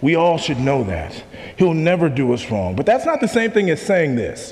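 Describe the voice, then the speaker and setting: Audible room echo and noticeable background noise surround the voice. A man with a fairly high pitch makes very wide pitch swings. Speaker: pastor. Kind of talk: sermon. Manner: articulate.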